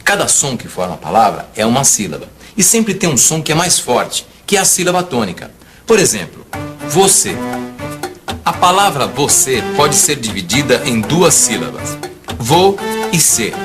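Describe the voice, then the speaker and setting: Didactic male narrator, lively delivery, music bed. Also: mid-range voice, moderate pace. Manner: clear, didactic. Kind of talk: scripted lesson narration.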